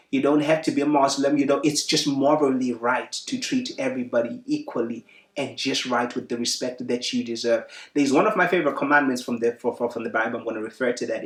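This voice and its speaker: A man on a discussion panel speaks in a measured, preachy way. His voice sits at a middle pitch. It sounds distant and roomy, as if he is far from the mic. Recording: echoey room from far off.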